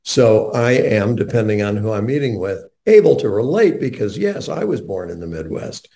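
Earnest older male radio host, mellow tone. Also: on the low side, normal speed, creaky. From North Carolina, USA. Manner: earnest, animated storyteller.

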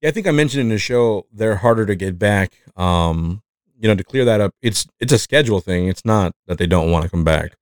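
Man, low voice, mexican accent, rambling podcast host, dry sound. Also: animated, fairly quick, dry recording. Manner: rambling, self-reflective, many fillers and restarts. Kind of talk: casual podcast chat.

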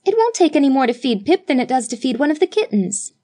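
A woman voicing a group of eager young sisters who plead and chatter excitedly. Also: high voice, voice pushed up. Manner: pleading, raised and quick.

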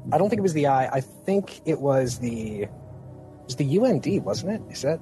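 A man's voice: mid-range voice, big pitch swings, normal speed, mellow, faint music behind. A man calling in to a podcast game, hesitant and laughing nervously. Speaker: caller. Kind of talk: casual call-in chat.

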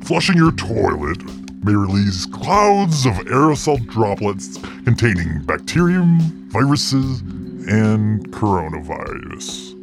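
A cavernous, layered demonic voice booms out as Satan. It crawls along slowly yet swings widely in pitch, drawing out each word in a drawn-out reading broken by an odd airy gasp. Eerie music plays loudly beneath it. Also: male voice, very animated, gravelly, exaggerated voice. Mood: mock reading. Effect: deep layered demonic voice filter. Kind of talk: casual podcast chat, reading an article. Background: creepy music.

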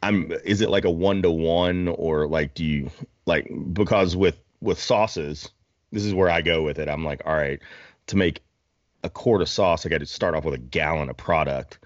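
A man's voice: sits low, normal speed, no room sound, highs cut off. A man hosting a casual chat, rambling and restarting his sentences, often laughing as he talks. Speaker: host.

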